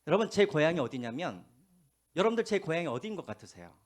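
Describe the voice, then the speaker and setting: Animated male pastor preaching. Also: fairly high pitch, quick pace. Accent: faint Jeolla. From Korea, Gwangju. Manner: animated storytelling, drops to hushed asides. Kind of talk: sermon. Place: church.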